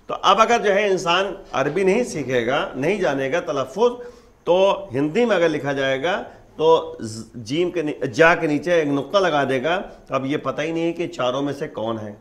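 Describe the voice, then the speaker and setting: A man's voice: on the high side, fairly bright tone. Patient man explaining religious teaching. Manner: patient, explains step by step with repeated examples. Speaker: Islamic scholar.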